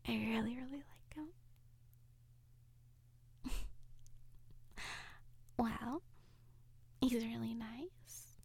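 A young adult woman with a high, light voice leans into an intimate audio roleplay. She speaks slowly, often dropping into a soft, breathy whisper. Her tone is playful and teasing, with frequent giggles. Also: no echo.

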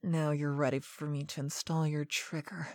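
In a dry, clean studio recording, a low-pitched woman with a darkish tone delivers a scripted hypnotic piece as a controlling mistress. She's sweet yet stern, commanding and deliberate but rather flat, with occasional breathy whispered lines.

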